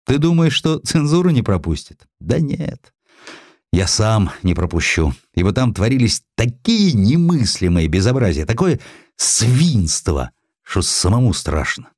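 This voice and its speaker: A man's voice: lowish voice, big pitch swings, unhurried, a little mellow, dry recording, studio quality, pitched above the performer's own voice, heavily acted. A man voicing a grumpy, elderly Russian general turned editor in an audiobook, with a plaintive, old-fashioned colloquial way of talking. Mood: wistful, indignant. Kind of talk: audiobook character acting.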